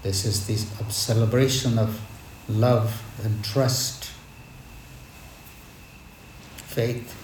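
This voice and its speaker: Slow, reverent man preaching in an echoey space. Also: mid-range voice, fairly even intonation, darkish tone. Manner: reverent, measured, reflective, with deliberate pauses. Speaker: spiritual teacher leading a devotional gathering. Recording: echoey space with background noise.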